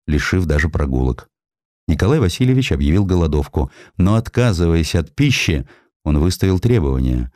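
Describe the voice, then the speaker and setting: A man narrating history from a script in a dramatic, deliberate way, drawing out key words for emphasis. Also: low-pitched, a little mellow, no room sound, studio quality. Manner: deliberate, theatrical, with drawn-out emphasis. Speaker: audiobook narrator.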